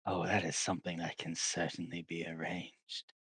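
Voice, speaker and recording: A man's voice: low voice, level tone, normal speed, fairly bright tone, husky, no echo. A man voicing a sly male devil who relishes talk of hell's prisons, in a tabletop game. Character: grinning male devil with ties to hell.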